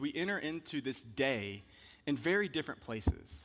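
Over a very clean recording with a silent background, a man with a fairly high pitch talks at a moderate pace with lively intonation. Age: 30s. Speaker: pastor. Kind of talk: sermon. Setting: church.

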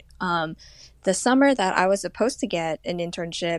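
A woman with a normal speaking voice, medium pitch and ordinary pitch variation, in a very clean recording with a silent background. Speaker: procurement specialist. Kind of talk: interview. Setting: podcast.

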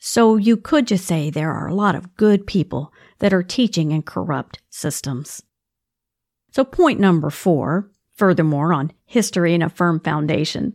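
A woman with an unremarkable speaking voice talks at a moderate pace, fairly low in pitch with lively intonation, the sound dry and close with no echo and the recording very clean over a silent background. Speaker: podcast host and curriculum author. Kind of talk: pre-recorded podcast monologue.

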